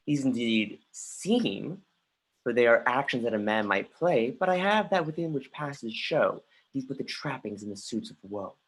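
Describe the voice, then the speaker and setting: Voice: mid-range voice, expressive, normal speed, lightly acted. An actor playing a grieving, bitter young prince in a livestreamed Shakespeare reading, with brooding, emphatic verse delivery.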